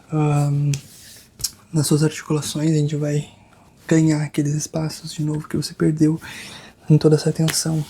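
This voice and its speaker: Brazilian guy doing asmr chiropractor roleplay, hushed n mellow, half whispering, reassuring, bit of noise behind. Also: on the high side. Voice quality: soft, hushed, breaking into whispers. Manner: reassuring, talks the listener through each step. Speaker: ASMR creator playing a chiropractor. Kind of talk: ASMR roleplay, soft-spoken. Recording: close binaural recording with background noise.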